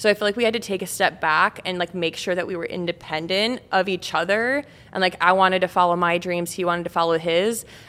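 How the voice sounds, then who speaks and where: Speaking at a very fast pace with hardly any pauses, a woman with an American accent uses a medium pitch, a bright, sharp tone and fairly even intonation. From Michigan, US Midwest. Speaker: wife of a pro football player, content creator. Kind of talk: casual interview chat.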